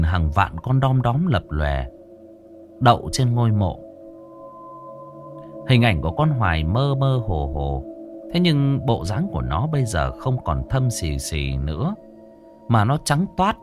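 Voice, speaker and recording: A man narrating a ghost story in a dramatic, expressive way. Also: on the low side.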